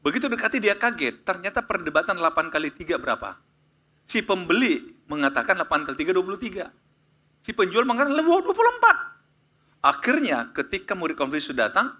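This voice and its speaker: Lively bright-voiced pastor preaching. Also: male voice, on the high side. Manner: animated, acts out story characters with sudden loud outbursts; addresses congregation directly, asks questions. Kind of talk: sermon with storytelling.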